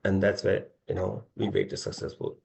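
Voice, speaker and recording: A middle-aged man with an Indian accent and a gravelly, creaky voice. He speaks as a company executive on an investor call, informal and rambling, adding small tag questions as he explains. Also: sits low, completely flat delivery, moderate pace, darkish tone.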